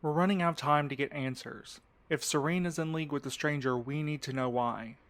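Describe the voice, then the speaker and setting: A cautious young man playing detective in an audio drama, voiced by an actor. The voice sits a bit high for a male, with a sardonic, exasperated and insistent edge. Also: brisk, fairly bright tone, close to an everyday voice. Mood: urgent. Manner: wry, insistent.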